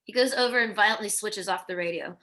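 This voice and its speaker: A woman serves as the narrator of a script read, delivering the stage directions. Her voice sits at a middle pitch with a bright, forceful edge. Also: quick pace.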